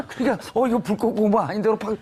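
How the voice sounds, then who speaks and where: A man's voice: high voice, quick pace, darkish tone, slight background noise. A man hosting a live panel talk, bantering with his guests and teasing them with provocative, joking questions. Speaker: talk show host.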